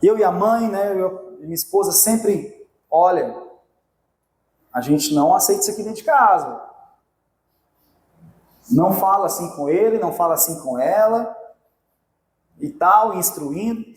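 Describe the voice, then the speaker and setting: A man's voice: high-pitched, animated, a little slow, long pauses. A man in his thirties with a Brazilian Portuguese accent, preaching a sermon as pastor and appealing directly to the congregation. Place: church sanctuary. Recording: echoey church hall.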